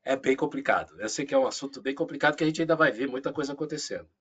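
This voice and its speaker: A man with a Brazilian Portuguese accent, a voice actor chatting casually as an interview guest, animated and full of asides. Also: medium pitch, rapid-fire, slightly rough. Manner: animated, frequent fillers and asides.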